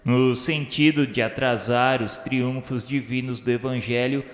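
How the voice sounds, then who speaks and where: A man's voice: medium pitch, steady tone, measured pace. A man with a Brazilian accent reading scripted, literary radio narration in a solemn, grandiloquent, formal manner. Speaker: narrator of a religious radio novela. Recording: echoey hall-like reverb, music underneath. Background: music.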